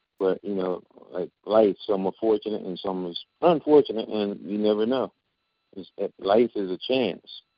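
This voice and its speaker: The voice, with a Philadelphia accent, shows big swings in loudness. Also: man, fairly low pitch for a man, ordinary pitch variation, moderate pace. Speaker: retired boxer. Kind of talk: interview.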